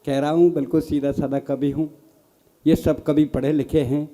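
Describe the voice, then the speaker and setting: A man's voice: a little high, little pitch movement, normal speed, warm tone. An older man, a comic poet telling teasing folksy stories on stage. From Bharatpur district, Rajasthan. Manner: folksy, teasing storyteller, addresses audience as sahib. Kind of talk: stand-up comic poetry recital. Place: live poets' gathering stage.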